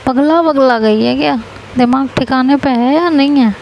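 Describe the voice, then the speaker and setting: Scolding young friend, voiced by a woman narrator, brusque and impatient, mid-high voice. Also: moderate pace, vocal fry, darkish tone, slight background noise. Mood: coaxing. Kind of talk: amateur audio story reading.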